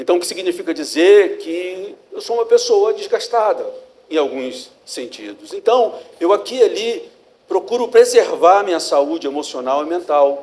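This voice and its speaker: Noticeable background noise runs through the clip. The man keeps a moderate pace. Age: 60s. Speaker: pastor. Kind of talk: sermon.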